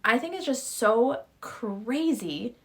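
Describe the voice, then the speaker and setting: A woman with a slightly hoarse, sore-throat voice, telling a story in a casual, exasperated vlog style with acted-out reactions. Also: a little high, expressive, slow pace, fairly bright tone. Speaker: YouTube host and online reseller.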